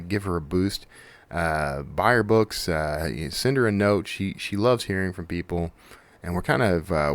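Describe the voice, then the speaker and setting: A man's voice: low voice, a bit bright, no room sound. A man hosting a podcast, chatting casually and conversationally to his listeners with jokey asides. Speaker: podcast host.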